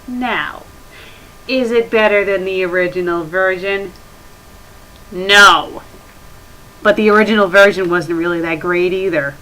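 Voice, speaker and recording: A woman's voice: medium pitch, a little slow, long pauses, bright, forceful tone. A woman casually reading aloud and critiquing as a web show host, blunt and nitpicking, recorded on a webcam microphone. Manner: blunt, nitpicking, mildly profane. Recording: noisy webcam microphone with ambient hiss.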